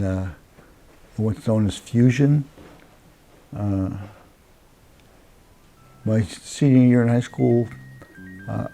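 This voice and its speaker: A man in his sixties, at home indoors on a lapel mic, reminiscing haltingly about his past. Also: lowish voice, gravelly, warm tone. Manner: halting, filler-heavy reminiscing. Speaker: interviewee. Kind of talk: documentary interview, recounting. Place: dim room at home, indoors.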